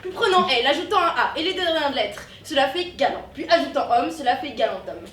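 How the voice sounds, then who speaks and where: A woman's voice: high voice, lively intonation, fairly quick, a bit bright, distant mic. A young woman playing a pompous, pedantic male doctor in a stage comedy, lecturing in long declamatory lists. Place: theatre stage. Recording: roomy stage sound from afar, faint noise.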